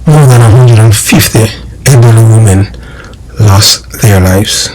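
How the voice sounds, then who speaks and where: A man with a Jamaican accent delivering political commentary straight to his audience, emphatic and deliberate in his phrasing. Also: fairly low pitch, a little mellow, poor audio. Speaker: online channel host and commentator.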